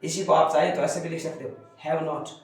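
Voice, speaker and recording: A man's voice: a little high, little pitch movement, a little fast, gravelly, soft background music. Man, English grammar lesson, repeats phrases, drills pronunciation, distant mic. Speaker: English teacher. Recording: echoey room, from a distance.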